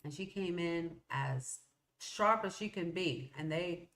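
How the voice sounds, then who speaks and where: A woman's voice: fairly low pitch, slow, a bit bright. A middle-aged woman whose first language is Spanish, talking in a rambling, casual way as a solo podcast host, often checking in with "okay?" and "right?". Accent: Hispanic American English. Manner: rambling, conversational, self-interrupting with "okay?" and "right?". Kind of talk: solo motivational talk.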